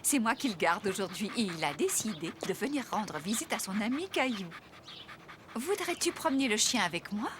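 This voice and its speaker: A woman's voice: mid-range voice, sing-song, normal speed, background noise, lightly acted. A woman playing a kindly, encouraging grandmother in a French-language children's cartoon. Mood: friendly.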